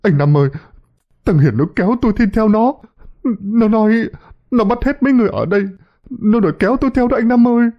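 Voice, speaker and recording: A frightened fisherman, played by a male narrator, pitched high and very animated. He whimpers and complains in panic, in a horror story. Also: fast talker, highs cut off. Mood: panicked, tearful. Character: terrified, whining fisherman fleeing a ghost.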